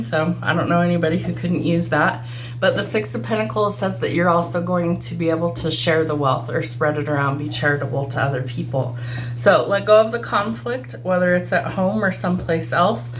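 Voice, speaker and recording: A woman fighting a cold, her voice stuffy and congested and a little low. She talks through a tarot reading in a relaxed, conversational way, thinking aloud as she goes. Her voice now and then fades in and out from the cold, and a faint hum sits behind her. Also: normal speed. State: voice cutting in and out. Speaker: tarot reader. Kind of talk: casual collective tarot reading.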